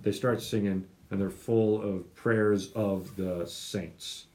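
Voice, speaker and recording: A man's voice: medium pitch, a little mellow. Chatty young man teaching scripture. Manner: chatty, lots of fillers and restarts. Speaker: Bible study podcast host. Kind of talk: casual Bible teaching chat.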